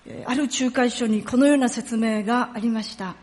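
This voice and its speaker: Woman preacher with a fairly high voice. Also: normal speed. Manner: storytelling, acts out quoted lines and dialects; drops to a hushed tone for solemn passages. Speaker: pastor. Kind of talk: sermon.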